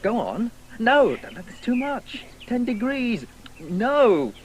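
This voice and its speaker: A man's voice: very high voice, very animated, slow pace, a little hiss or hum, exaggerated voice. A man playing a clever, haughty disabled boy in a 1980s radio drama, explaining things in a pedantic, condescending way. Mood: bossy, eager. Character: precocious, disabled boy Alexander, pedantic, haughty, coldly provocative.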